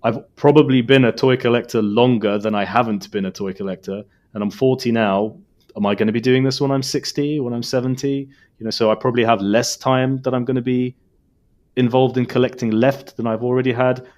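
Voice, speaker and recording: A man's voice: medium pitch, steady tone, fairly quick, darkish tone. A man in his forties co-hosting a casual podcast chat, reflective and thoughtful. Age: 40s. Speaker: podcast co-host.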